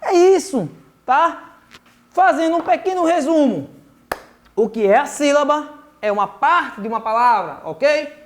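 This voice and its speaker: A man with a high voice and a Brazilian Portuguese accent teaches a remote grammar lesson for young children. He talks slowly and patiently, says key words twice and keeps checking that the class follows along. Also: lively intonation. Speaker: primary school teacher.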